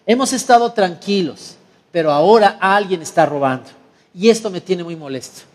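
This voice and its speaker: Preacher doing a stern tribal chief, firm and solemn, high voice for a man. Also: expressive, normal speed, a little mellow. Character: stern but loving island tribal chief, adult man.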